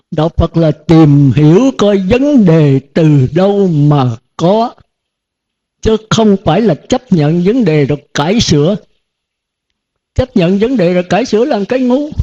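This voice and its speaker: Older male monk preaching; high voice, mellow tone, folksy and questioning, dull lo-fi sound. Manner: folksy, rhetorical questions, chuckles often. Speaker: Buddhist monk teacher. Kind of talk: dharma talk to disciples. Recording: dull lo-fi recording.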